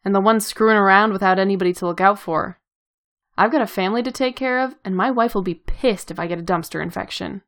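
A man's voice: high-pitched, fast, a bit bright. A cheerful, scruffy superhero archer, easygoing and wry, as a woman reader puts him on. He talks in a casual, offhand way in this read-aloud story. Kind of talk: fan fiction read aloud.

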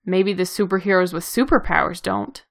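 A man's voice: high voice, normal speed, creaky, a bit bright. A cheerful, scruffy superhero archer, easygoing and wry, as a woman reader puts him on. He talks in a casual, offhand way in this read-aloud story. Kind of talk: fan fiction read aloud.

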